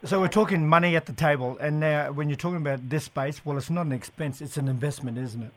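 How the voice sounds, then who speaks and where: A man's voice: on the high side, fast talker, fairly bright tone. A man with an Aboriginal Australian accent presenting live talkback radio in a colloquial, matey way. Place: radio studio.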